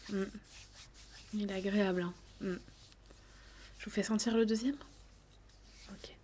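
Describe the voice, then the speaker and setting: A woman whispers softly and steadily, playing a perfume saleswoman in an ASMR roleplay. Her tone stays level, with little rise and fall. She hesitates often, filling pauses as she goes. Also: medium pitch, fairly even intonation, slight background noise. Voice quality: soft whisper. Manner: hesitant, many fillers.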